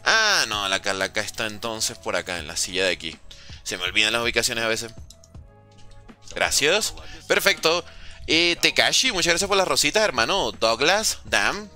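Soft music plays behind a man from Venezuela whose medium-pitched voice swings widely, bright and forceful at a normal speed. He's streaming a game from home in a room with a window, chatting casually, reading out chat, and joking with the people watching.

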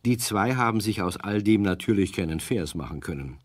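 A man's voice: fairly low pitch, lively intonation, a little fast, a little hiss or hum, close to an everyday voice. A man acting as the storyteller of a children's radio play, narrating a scripted tale. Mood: storytelling.

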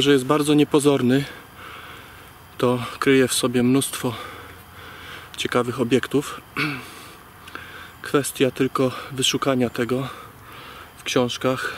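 A man in his forties talks in a level, even tone as he walks a leafless forest. His voice comes through an action camera held on a stick, with faint hiss from the outdoors behind him. He speaks plainly and takes his time. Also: medium pitch. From Poland. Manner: unhurried, plain, talks while walking. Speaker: hiking vlogger. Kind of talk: casual spoken walk-through narration. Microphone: action camera on a selfie stick.

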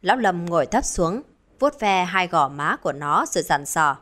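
A woman storyteller reading a village horror tale in a measured, grave manner. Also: lowish voice, lively intonation, fairly bright tone. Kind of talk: scripted horror narration. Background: faint music.

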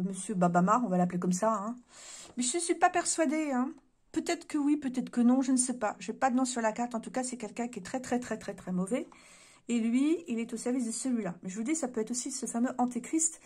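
Indoors, a woman gives a casual card reading to the camera, thinking aloud with lots of hesitation. Her voice is fairly high and a little mellow, and it keeps giving out as she clears her throat.

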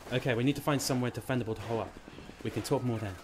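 A man's voice: medium pitch, racing, natural voice. A man playing a curt, strained lance corporal in an audio drama, terse and commanding. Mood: firm, curt. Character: curt, strained male soldier, sole survivor of his squad. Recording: clear background noise, amateur audio drama.

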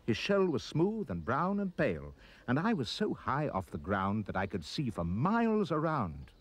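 Expressive man reading rhyming poem. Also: moderate pace, breathy edge. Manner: expressive storyteller, swooping pitch. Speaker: reader.

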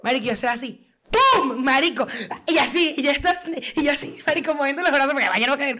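A young woman with a Venezuelan accent telling a story in casual podcast chat, animated and slangy. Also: sits high, quick pace. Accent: Venezuelan Spanish. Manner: animated, slangy, acts out quotes loudly. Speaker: podcast co-host.

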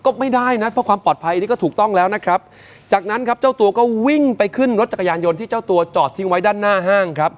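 A man presenting morning news, retelling events in a lively, chatty way and addressing viewers directly. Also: high voice, quick pace.

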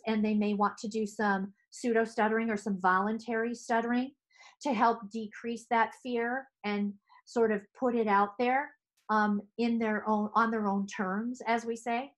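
A middle-aged woman, a speech therapist, presenting to fellow clinicians from her office, talking with lively hand gestures into a headset mic. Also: a little high, moderate pace, rough recording. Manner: animated, gesturing with both hands. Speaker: speech-language pathologist. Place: home office.

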